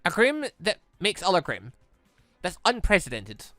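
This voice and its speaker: A man hosting a let's play, reading visual novel dialogue aloud in an animated way and reacting excitedly as he goes. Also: sits high, normal speed, no echo, faint music behind. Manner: animated, stumbles while reading and exclaims at the story.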